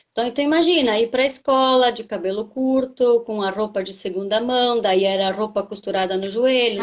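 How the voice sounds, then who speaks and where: This woman uses an ordinary speaking voice. She talks at a moderate pace, fairly high in pitch with ordinary pitch variation. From southern Brazil, Rio Grande do Sul (Harmonia). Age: 40s. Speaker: teacher and mother sharing faith testimony. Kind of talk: testimony.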